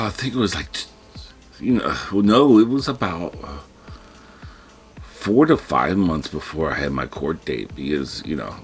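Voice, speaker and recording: Very deep, gravelly man telling a story. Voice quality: heavy breathing. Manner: rambling, restarts, quotes himself in panicked whispers. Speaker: vlogger. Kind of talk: casual storytelling.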